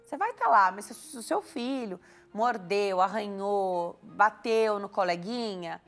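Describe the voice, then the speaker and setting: A woman's voice: mid-range voice, expressive, measured pace, soft background music. A woman hosting a TV talk show in a studio, giving parenting advice in easy conversation and often tagging her sentences with a question. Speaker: TV health show host.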